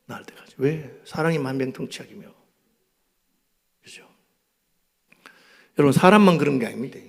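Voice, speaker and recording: A man with a Gyeongsang accent preaching a revival sermon, telling stories animatedly and swinging between loud bursts and hushed asides. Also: medium pitch, gravelly. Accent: Gyeongsang Korean. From Gyeongsang, South Korea.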